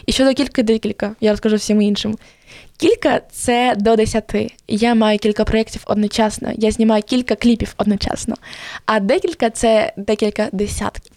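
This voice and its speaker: Chatty teenage girl, mellow dry voice. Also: medium pitch, no echo. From Ukraine. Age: teens. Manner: chatty, lively storytelling with many fillers. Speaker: podcast guest. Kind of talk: casual podcast interview.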